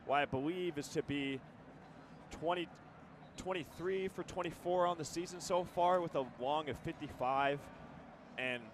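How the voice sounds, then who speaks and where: Highish-voiced American football color commentator. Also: male voice, background noise. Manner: conversational, analytical. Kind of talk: live football analysis. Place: stadium football broadcast.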